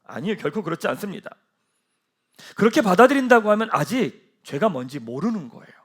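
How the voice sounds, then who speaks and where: A man's voice: high voice, big pitch swings, fairly quick. A male pastor preaching a Sunday sermon and asking his congregation rhetorical questions.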